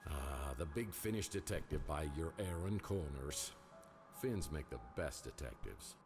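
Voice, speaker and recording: An actor playing a wry, world-weary private detective in an adventure game, musing sardonically to himself in noir style. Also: male voice, very deep voice, animated, a little slow, over music, exaggerated voice.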